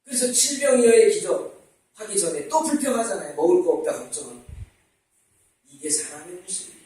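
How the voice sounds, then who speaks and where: Impassioned high-voiced pastor in echoey church. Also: male voice, expressive, fairly quick, warm tone. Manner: impassioned preaching, calling on the congregation. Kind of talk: sermon. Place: church sanctuary. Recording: echoey church hall, mic far off.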